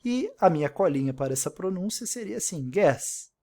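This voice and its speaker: A man's voice: high-pitched, sing-song, quick pace, dark tone. A man teaching an English lesson in Portuguese, explaining step by step and repeating example words, often checking in with "né?". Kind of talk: recorded online language lesson.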